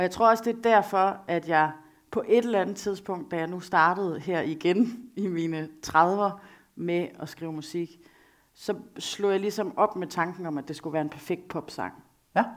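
A woman with a normal speaking voice and a medium pitch talks at a fairly slow pace with ordinary pitch variation. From Denmark, West Jutland. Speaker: musician. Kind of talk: casual chat. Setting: stage with audience.

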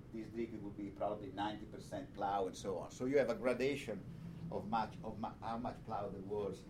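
A man with an Italian accent talks at a moderate pace in a somewhat breathy voice. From Italy. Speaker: economics professor. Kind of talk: academic seminar talk with Q&A. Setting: seminar room with audience.

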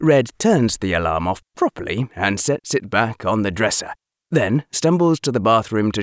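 A natural reading voice with lively intonation is heard against a quiet background.

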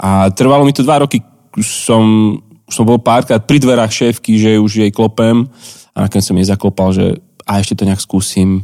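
The tone is dark and mellow, with fairly even intonation at a moderate pace. The recording is very clean with a silent background, and the sound is dry and close with no echo. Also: man, fairly low pitch for a man. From Slovakia, Levice. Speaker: pastor and physician. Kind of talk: casual chat. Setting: church prayer room.

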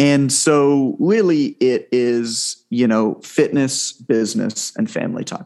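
Speaking at a very slow pace with hardly any pauses, a man with a Canadian accent uses a fairly high, dark, mellow voice and very wide pitch swings. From Ontario, Canada. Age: 30s. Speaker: online fitness coach and author. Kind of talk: casual interview.

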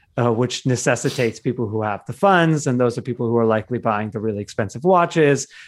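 A man with an American accent talks at a very fast pace with hardly any pauses, his medium pitch moving in ordinary variation over a quiet background. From Michigan, US. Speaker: artist. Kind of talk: casual chat.

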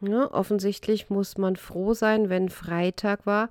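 A woman's medium-pitched, fairly slow, a normal speaking voice, with a dry, close sound with no echo on a very clean recording with a silent background. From Württemberg, southwestern Germany. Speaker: podcast host, life coach. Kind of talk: reflective solo monologue.

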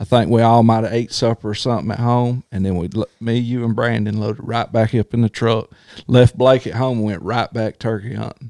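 In a Southern US accent, a man speaks at medium pitch with fairly even intonation. His tone is dark and mellow, and the sound is dry and close with no echo. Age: 40s. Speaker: podcast host. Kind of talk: casual chat. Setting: studio.

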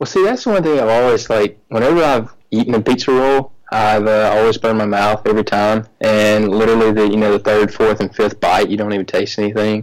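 Hardly pausing, a man talks at a fairly quick pace with very even loudness and fairly even intonation. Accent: Southern US. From US South. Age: 30s. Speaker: chef. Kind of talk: casual interview. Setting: remote call from abroad.

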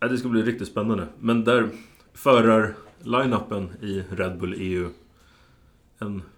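A man with a fairly low pitch talks at a fairly slow pace. He leaves long, frequent pauses. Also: fairly even intonation. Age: 20s. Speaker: podcast co-host, small business owner. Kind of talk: casual chat.

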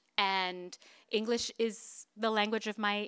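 A woman in a Californian accent talks at a fairly slow pace with fairly even intonation. The sound is dry and close, with no echo. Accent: Californian American. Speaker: novelist. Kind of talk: author reading and Q&A. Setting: bookstore stage with audience.

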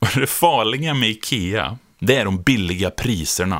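A man with an unremarkable speaking voice talks at a moderate pace. His pitch sits fairly low, and his intonation is lively. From rural Sweden. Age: 30s. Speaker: writer and podcaster. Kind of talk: scripted narration.

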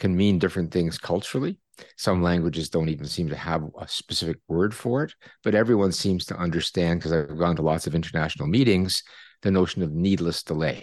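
Against a quiet background, a man with a very deep, low pitch talks at a fairly quick pace. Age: 60s. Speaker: retired psychology professor, procrastination researcher. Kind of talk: interview conversation. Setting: video call.

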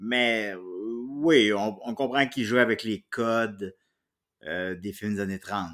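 On a very clean recording with a silent background, a man speaks in a Quebec accent with ordinary pitch variation. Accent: Québécois French. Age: 40s. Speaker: comedian and podcaster. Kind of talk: casual chat.

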